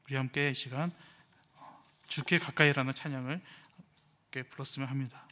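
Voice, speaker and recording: A man's voice: mid-range voice, fairly even intonation, brisk, bright, forceful tone. A young man preaching a sermon in church, telling a personal story and rising in emotion at its peaks. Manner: storytelling, voice rises with emotion when recounting anger.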